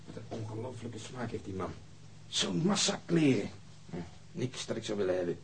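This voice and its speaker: An actor in a radio drama playing a cool, fastidious detective, clipped, disdainful and matter-of-fact. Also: male voice, on the low side, very animated, gravelly, background noise. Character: cool, fastidious detective picking locks, Gunvald. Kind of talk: naturalistic radio drama acting.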